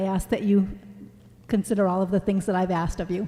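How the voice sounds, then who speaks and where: The voice is somewhat breathy with a dark, mellow tone, racing at a very fast pace in a monotone, flat delivery. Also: woman. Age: 60s. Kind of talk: public testimony.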